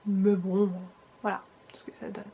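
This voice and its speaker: A woman's voice: medium pitch, flat delivery, measured pace, warm tone, muffled recording, a little hiss or hum. A young woman vlogger chatting casually through a makeup haul, talking straight to her viewers with frequent small restarts. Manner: chatty, hesitant restarts, addresses viewers directly. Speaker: beauty vlogger.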